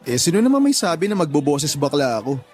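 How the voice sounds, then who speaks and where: A man's voice: fairly high pitch, big pitch swings, fast, a little mellow. A man acting a cheeky, vain gay son in a Tagalog radio drama, with campy joking and a Filipino accent. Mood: playful. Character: cheeky, vain gay adult son who jokes he's a young lady.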